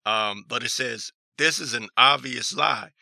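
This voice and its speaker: A man with a hoarse voice giving casual news commentary as a talk show host, halting and repeating himself in a skeptical manner as he reads articles aloud. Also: medium pitch, sharp tone, dry recording.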